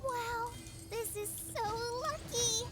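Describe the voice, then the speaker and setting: An actress voicing a spirited young fantasy heroine in theatrical video game lines, played as game audio. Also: female voice, very high voice, slow pace, exaggerated voice. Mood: bright. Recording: game audio under loud music.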